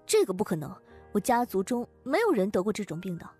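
A woman playing an anxious young wife in an audio drama, earnest and quick to protest. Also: mid-range voice, very animated, mellow, slightly rough, faint music behind. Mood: denying. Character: anxious, indignant young wife, a clinic patient.

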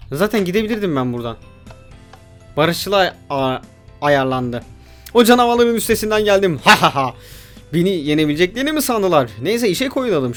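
A man with a high-set voice commentates his gameplay live. He is excitable and slangy, and his delivery breaks into frequent exasperated outbursts.

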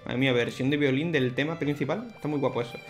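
A young man, chatting excitedly and laughing often as he plays through a video game. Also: mid-range voice, fast talker. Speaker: gaming YouTuber. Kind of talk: let's play commentary. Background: faint game music.

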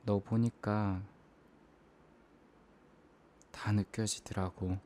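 Man, ASMR role-play, remorseful boyfriend, soft hesitant murmur, very even intonation, noticeable background noise. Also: lowish voice, takes it slowly. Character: apologetic, self-blaming young boyfriend murmuring to sleeping girlfriend.

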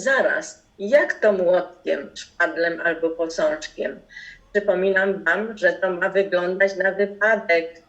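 Woman playing exasperated female schemer, bossy, emphatic, unhurried, muffled radio-play sound. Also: mid-range voice, close to an everyday voice. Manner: emphatic, lecturing. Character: bossy, exasperated woman keeping plotters in line. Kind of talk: amateur radio play acting. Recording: slightly muffled home recording.

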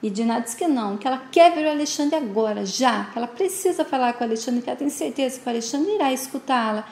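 A woman briskly retelling a soap opera episode as a channel host, putting some feeling into the quoted lines. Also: sits high, expressive, darkish tone, a little hiss or hum. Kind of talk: casual episode recap narration. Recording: roomy echo.

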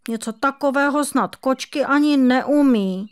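A woman's voice: high voice, smooth, voice pushed up, close to an everyday voice. A woman voicing a timid, lost little male kitten in a children's audiobook, plaintive and pleading.

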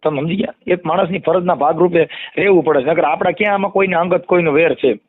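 A man with a Kathiawadi Gujarati accent argues his points insistently in an animated phone discussion, explaining and repeating phrases for emphasis. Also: fairly high pitch, fast talker, no room sound. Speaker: community activist. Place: phone call. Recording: muffled lo-fi phone call recording.

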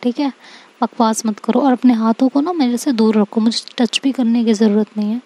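Storyteller woman voicing a sulky young woman, stubborn, snappish retorts, higher mellow voice. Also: fairly even intonation, normal speed. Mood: sulking.

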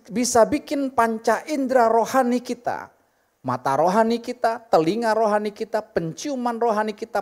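A woman preacher delivers a sermon to a church congregation. Her pitch swings widely as she jokes and talks straight to the listeners in a lively, animated way. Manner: animated, joking, addresses the congregation directly. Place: church service.

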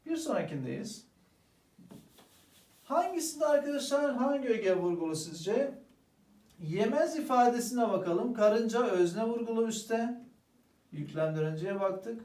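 In an extremely high voice, a bit slow and broken up by long pauses, a Turkish teacher works through exam-prep grammar. He stays lively, greets the students as "arkadaşlar," and supplies answers to the questions he raises. The mic is far away, leaving his voice echoey and a little off-axis.

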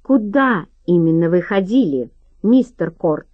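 A woman reading an audiobook, voicing a blunt lawman who booms and cuts people off. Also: expressive, unhurried, no echo, narrow, tinny audio. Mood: curt. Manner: booming, curt.

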